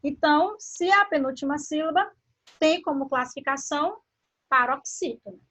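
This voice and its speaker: A woman teacher from Brazil, giving a grammar lesson. She draws words out slowly and asks the class questions as she explains. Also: high-pitched, lively intonation, a bit bright. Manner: slow, drawn-out word pronunciation with questions to the class.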